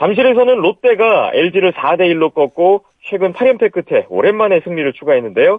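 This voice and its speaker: A man speaks at a high pitch with lively intonation. His loudness stays very even. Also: moderate pace. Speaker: sports caster. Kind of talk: sports news report.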